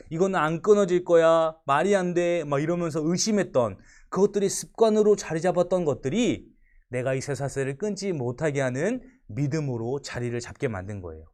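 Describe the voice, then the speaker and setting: A man giving a children's sermon like a kindergarten teacher, telling stories in simple, expressive language for young listeners. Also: a little high. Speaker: children's Sunday school preacher.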